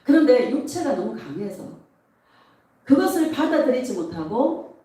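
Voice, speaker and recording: A woman pastor preaching a sermon in a church, emotional and animated, often laughing as she speaks. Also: on the high side, normal speed. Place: church sanctuary. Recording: echoey church hall, mic at a distance.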